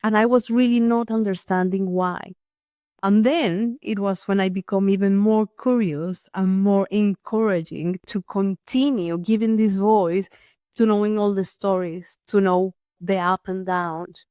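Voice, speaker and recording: A woman's voice: mid-range voice, steady tone, unhurried, warm tone, clean tone, no room sound, studio quality. Earnest woman host, nonnative phrasing. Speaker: podcast host, here the guest. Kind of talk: reflective personal storytelling.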